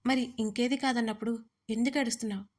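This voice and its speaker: A woman voicing a calm, blunt young husband in an audio story, steady and unmoved. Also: a little high, fast, natural voice. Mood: stern.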